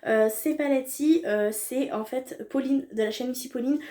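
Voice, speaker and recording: A young woman talks through her makeup haul in a relaxed, chatty way, peppering her speech with fillers and slang. Her voice sits a little high but sounds mellow and soft-edged. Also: moderate pace. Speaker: beauty vlogger. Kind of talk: casual product haul chat.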